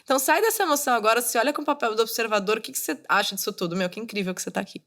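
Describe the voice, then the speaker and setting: A woman's voice: on the high side, racing, fairly bright tone. A woman in her thirties hosting a solo podcast, talking casually and coaching her listeners directly. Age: 30s. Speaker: podcast host. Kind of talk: solo podcast monologue, motivational.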